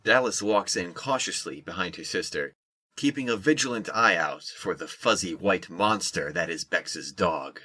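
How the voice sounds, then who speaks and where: A man playing a wry storyteller, narrating a scripted audio drama in a measured way. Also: low-pitched, animated, pushed and bright, breathy edge, heavily acted.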